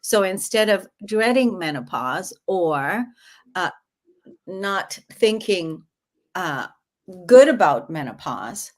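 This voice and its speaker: A woman hosting a podcast interview, talking in an earnest, meandering way with many fillers. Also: fairly low pitch. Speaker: podcast host.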